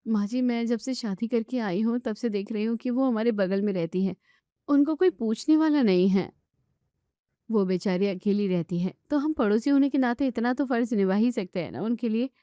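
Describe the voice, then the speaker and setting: A woman voicing a kind, dutiful young daughter-in-law who speaks earnestly and gently. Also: fairly high pitch, normal speed, no room sound, clean studio sound, natural voice. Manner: pleading, earnest.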